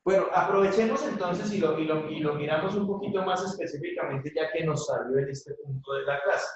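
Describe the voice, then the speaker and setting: A man's voice: a little high, a little fast, highs cut off, background noise. A male teacher giving a classroom grammar lesson, patiently checking in with his students after each point. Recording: very echoey room, voice from far off.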